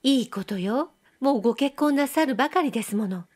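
Brief: coy young girl with a soft nasal lilt, pitched high, as a woman reader puts her on. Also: animated, fairly quick. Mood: teasing, lively. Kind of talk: audiobook reading.

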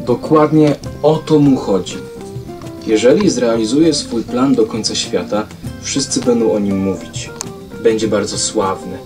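A man's voice: mid-range voice, measured pace, recorded from a distance, music in the background, natural voice. A man voicing a worried male puppet who earnestly explains a threat. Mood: grave. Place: recording studio booth.

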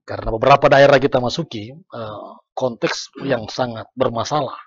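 Earnest middle-aged man, husky and dry. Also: mid-range voice, moderate pace, no echo, dull audio. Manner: earnest, lecturing, breaks off to reframe points. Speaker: sociologist guest. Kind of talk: podcast discussion. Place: small podcast studio. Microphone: desk mic on stand.

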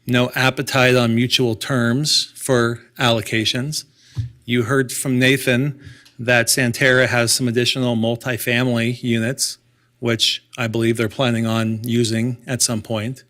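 A man's voice: mid-range voice, little pitch movement, a little slow, bright, forceful tone. Man explaining details at a public hearing. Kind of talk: explanatory public meeting testimony. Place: public meeting room.

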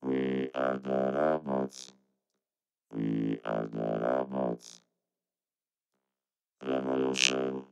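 A man voicing a droning robot through a vocoder, chanting in a monotone. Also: a bass voice, very slow, pauses often, smooth, no room sound, pitched below the performer's own voice, full character voice. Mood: robotic chant. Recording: vocoder over loud synth music. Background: synth music.

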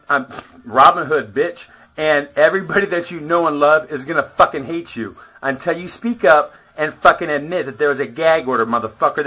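A man's voice: fairly high pitch, pushed and bright, breathy edge. A man in a rambling, profane rant to the camera, boastful and chuckling between phrases, on a dull lo-fi home video.

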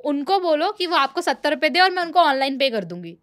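A young woman with a fairly high voice tells a story in a casual podcast conversation. She is a PR manager and a guest on the show. She acts out every quoted line as she goes. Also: quick pace. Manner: animated, acts out quoted dialogue.

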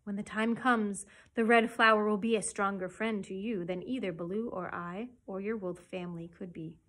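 A woman voicing a wise, protective male black panther from a storybook, speaking gently and earnestly with emphasis. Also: mid-range voice, expressive, moderate pace, breathy edge. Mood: eager, urging.

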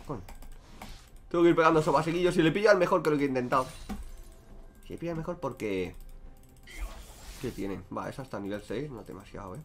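Lively, fast-talking streamer guy. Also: mid-range voice. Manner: crude, joking, talks to chat. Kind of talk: casual gameplay commentary.

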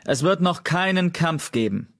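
A man's voice: mid-range voice, expressive, normal speed, pitched above the performer's own voice, natural voice. A man voicing a stern male cat who leads his clan and gives orders in an audiobook. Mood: commanding. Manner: commanding, growled.

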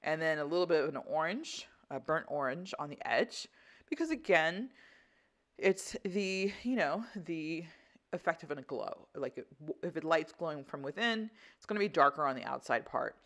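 A woman's voice: sits low, fairly bright tone. A woman instructor talking through an art tutorial in a casual, conversational, explanatory way. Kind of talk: casual voice-over craft tutorial.

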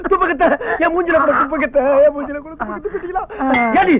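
An actor playing a comic village husband who rants and wails melodramatically in a film comedy. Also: male voice, very high-pitched, very fast, crowd noise. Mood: mock wailing. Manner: loud, melodramatic wailing and ranting. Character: comic grumbling village husband, fake-grieving son-in-law. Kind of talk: 1990s film comedy acting. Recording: dull lo-fi film soundtrack.

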